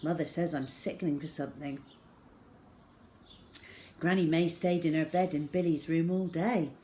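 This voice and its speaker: A woman reading a children's book aloud as an expressive storyteller, with measured, dramatic phrasing. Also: low-pitched. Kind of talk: expressive storytelling, scripted narration. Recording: clear background noise.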